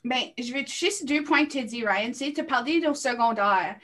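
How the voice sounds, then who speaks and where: A woman's voice: fairly high pitch, expressive, a little fast, a bit bright. A woman with a Franco-Ontarian French accent, chatting on a panel in a friendly way and using local slang. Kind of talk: casual panel discussion.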